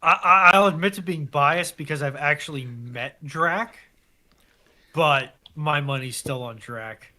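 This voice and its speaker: A man's voice: a little high, a little slow, pushed and bright. A man on a panel chatting casually about a specialist subject. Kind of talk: casual chat.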